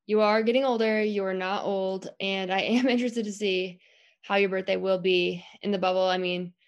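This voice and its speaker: A woman's voice: medium pitch, steady tone, normal speed, smooth, highs cut off. A woman in her twenties co-hosting a basketball podcast, easygoing, laughing often and using many "um"s. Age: 20s. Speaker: co-host of a college basketball podcast. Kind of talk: casual sports podcast chat.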